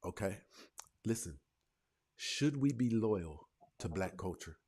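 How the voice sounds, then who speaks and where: A man's voice: lowish voice, lively intonation, a little mellow, husky. Confrontational male debate show host. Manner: confrontational, fires rapid leading questions. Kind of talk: live call-in debate show.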